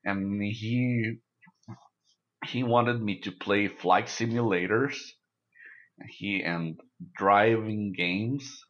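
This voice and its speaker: A man from Mexico, a native Spanish speaker, talks in English in a slow, deep voice. He recalls things haltingly, with frequent restarts. The sound is a little dull and lo-fi. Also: steady tone, a bit bright. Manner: measured, halting recollection with restarts. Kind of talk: casual conversation.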